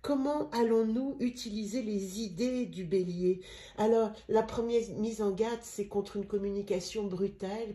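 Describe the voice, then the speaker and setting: Brief: middle-aged woman with a cold, gentle rambling card reader, mellow tone. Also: medium pitch. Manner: gentle, meandering, with pauses and fillers. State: has a head cold. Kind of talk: spiritual card-reading video.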